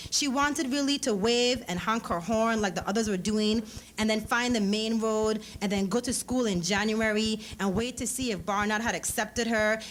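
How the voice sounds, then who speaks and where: A woman's voice: mid-range voice, a bit bright. Woman giving a dramatic story reading, noisy recording. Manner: acts out dialogue in character voices. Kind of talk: dramatic literary reading of fiction. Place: live lecture event. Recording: clearly noisy live event recording.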